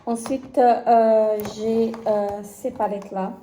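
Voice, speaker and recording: A woman casually reviewing her makeup palettes, talking haltingly with many fillers and restarts. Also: fairly high pitch, level tone, reverberant, noisy background. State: has conjunctivitis. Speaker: beauty vlogger.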